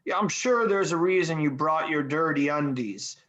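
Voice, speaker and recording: A man's voice: a little high, moderate pace, fairly bright tone, natural voice. A man playing a laid-back, bewildered slacker in a script table read, with a hesitant, drawling delivery. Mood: bemused, exasperated.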